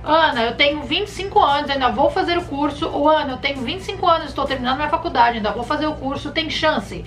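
Fast and high-pitched, this Brazilian woman in her thirties, a flight attendant, gives chatty advice in her bedroom over soft background music. She gestures animatedly and warmly uses nicknames for viewers, with the camera in front at chest framing.

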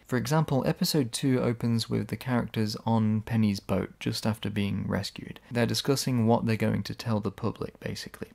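A man with a mid-range, slightly mellow voice and vocal fry delivers casual, sarcastic video essay commentary. He's blunt, swears when annoyed, and sounds a bit worn.

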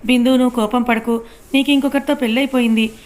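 A woman voicing a gentle, guilt-ridden older mother-in-law in a read-aloud story, soothing and coaxing. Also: on the high side, fairly even intonation, fast, lightly acted.

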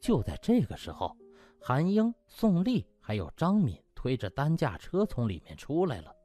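A man's voice: fairly high pitch, wildly swooping pitch, moderate pace, mellow, faint music behind. A man narrating a comic novel in a dramatic, theatrical storytelling style. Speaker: audiobook narrator.

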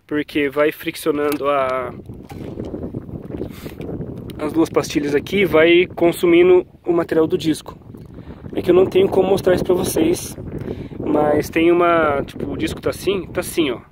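A man's voice: fairly high pitch, flat delivery, normal speed, long pauses, noisy background. A man, talking casually about bike brakes on an action camera outdoors, with a cold, keeping it loose and tagging on little checks. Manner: chatty, loose, trails off with "tá?" and "né?". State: has a cold. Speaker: cycling vlogger. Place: outdoors on a quiet paved road.

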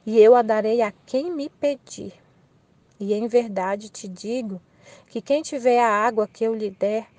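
Calm gentle Jesus, read by a Brazilian woman. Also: medium pitch, no echo, close to an everyday voice. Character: gentle patient Jesus, grown man, calm teacher.

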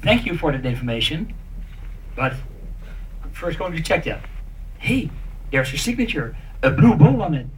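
Male demo participant, high-ish voice, deliberate and theatrical, far from the mic with faint noise. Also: sing-song. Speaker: participant acting in a staged demonstration. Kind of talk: improvised didactic role-play to an audience. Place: conference meeting room. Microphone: handheld mic, picked up by far camera. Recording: distant, noisy room camera pickup.

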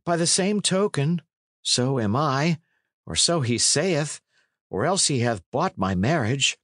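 A man's voice: fairly high pitch, sing-song, takes it slowly, a bit bright, no room sound, studio quality, pitched above the performer's own voice, full character voice. A man voicing a plaintive, delicate but proud young runaway in a storybook, in courtly pleading archaic speech. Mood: bitter. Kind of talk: storybook character reading.

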